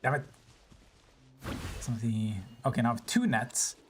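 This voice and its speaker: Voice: medium pitch, animated, normal speed, slight background noise. Swearing, yelping game streamer. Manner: swears and yelps in frustration, chatty asides. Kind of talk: casual gameplay commentary.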